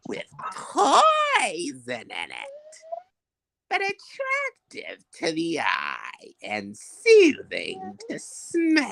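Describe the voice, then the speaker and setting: A woman's voice: mid-range voice, gravelly, a bit bright, dry recording, pitched above the performer's own voice, exaggerated voice. A woman voicing a scheming wicked witch who cackles and breaks into gloating shrieks.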